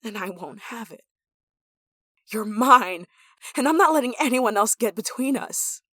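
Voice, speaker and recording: Female actor as obsessive yandere coworker-lover. Intimate ASMR drama, sweetly threatening, breathy delivery, very dry close sound. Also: a little high, lively intonation, a little slow, fairly bright tone, no room sound. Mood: jealous, agitated. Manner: breathy sighs and chuckles, dropping to whispers. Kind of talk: intimate ASMR roleplay acting.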